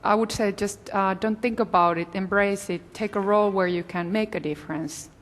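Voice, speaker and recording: A woman speaks on a conference panel in a mid-range voice, frank and quick to laugh. Her words carry a long hall reverb. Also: mid-range voice. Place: large conference hall stage.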